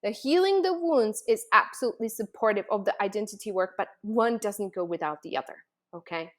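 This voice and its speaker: A woman from the Czech Republic, talking casually to viewers as a coach, telling personal stories in a chatty, animated way full of "like"s. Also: medium pitch, a little fast. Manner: chatty, animated storytelling with many "like"s.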